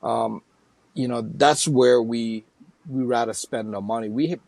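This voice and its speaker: Man from Trinidad, middle-aged, nonprofit founder, interview guest, hesitant with fillers, gravelly, dry. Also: mid-range voice, steady tone, a little slow, a little mellow, dry recording. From Trinidad and Tobago. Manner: hesitant, many fillers and restarts. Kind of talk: casual interview conversation.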